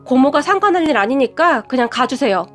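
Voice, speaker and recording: A woman's voice: high-pitched, lively intonation, fairly quick. A woman voicing a hurt, indignant young married woman who retorts sharply, over faint music.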